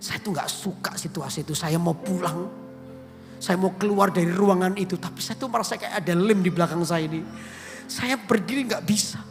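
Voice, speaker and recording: Middle-aged pastor, raised gravelly voice, animated testimony, long hall reverb with faint music. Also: male voice, high voice, normal speed. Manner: animated storytelling, drops into Javanese phrases. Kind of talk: sermon with personal testimony. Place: large church auditorium.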